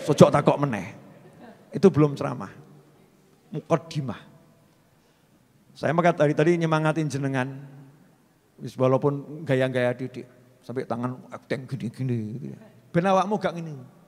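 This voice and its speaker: A man with a Javanese accent preaching an animated, joking sermon that swings from quiet asides to loud exclamations. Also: medium pitch, moderate pace, long pauses. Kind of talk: lively sermon with jokes. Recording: reverberant hall.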